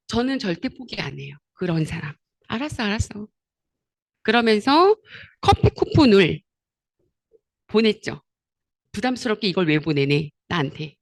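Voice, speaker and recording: A woman giving a motivational seminar talk, animated and laughing often as she acts out conversations. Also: a little high. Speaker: network marketing speaker.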